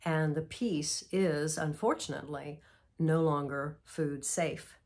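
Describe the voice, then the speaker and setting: A middle-aged woman hosting a vlog, explaining in a gentle, measured way, sounding nasal from a cold. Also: low-pitched. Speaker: vlog host. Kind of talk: casual instructional vlog. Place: antique mall, indoors.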